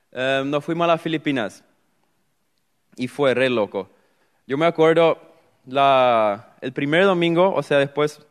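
A man's voice: on the high side, clear, resonant tone, big-room sound. A young man with a Paraguayan Spanish accent giving an earnest sermon testimony, acting out his inner thoughts as he tells his story. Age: young adult. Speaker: preacher.

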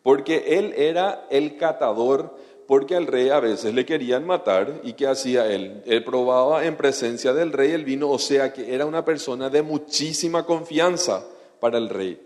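A man's voice: medium pitch, moderate pace, darkish tone, big-room sound. A man preaching a sermon in a conversational way, often checking in with his listeners. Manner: conversational, keeps checking in with the audience.

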